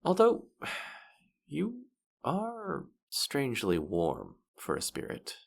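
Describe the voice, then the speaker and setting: A man's voice: fairly high pitch, wildly swooping pitch, very slow, gravelly, heavily acted. A man playing a teasing, boastful demon who guides souls through the afterlife in a roleplay audio drama, condescending and playful. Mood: offended, puzzled.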